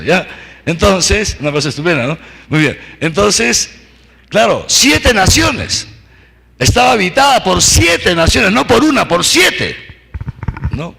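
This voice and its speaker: A man preaching to seminarians, telling the story in an animated way, acting out voices and shouts, and asking the audience for agreement with short tags. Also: high-pitched, vocal fry, husky.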